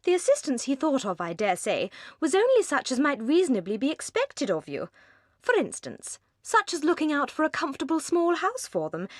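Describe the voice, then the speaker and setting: A woman putting on a high, grasping English wife. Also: dry recording, clean studio sound. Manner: persuasive, coolly reasonable. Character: cold, grasping wealthy young wife. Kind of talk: audiobook character reading.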